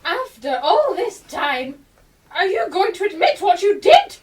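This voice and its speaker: A woman's voice: very high voice, sing-song, measured pace, full character voice. A woman playing an eccentric, mocking, childishly quarrelsome woman who talks in teasing riddles, in a radio play. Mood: pleading. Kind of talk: theatrical radio play acting.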